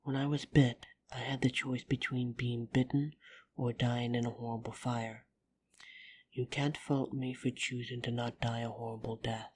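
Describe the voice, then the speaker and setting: A woman's voice: very deep voice, little pitch movement, moderate pace, darkish tone, slight background noise. A woman playing a defiant, caring vampire in an audio drama, protective and bluntly sarcastic. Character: defiant, caring female vampire in love with an angel.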